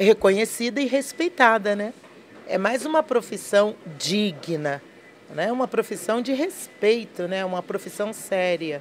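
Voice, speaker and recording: Over noticeable background noise, a woman speaks at a medium pitch and fairly slow pace with lively intonation. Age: 60s. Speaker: street food vendor. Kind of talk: interview.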